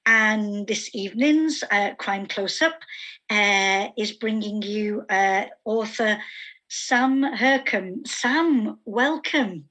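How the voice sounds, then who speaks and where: A woman's voice: medium pitch, takes it slowly, fairly bright tone, poor audio. A woman hosting an online festival event over a video call, hesitant and full of fillers. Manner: hesitant, many fillers and restarts. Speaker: festival panel chair.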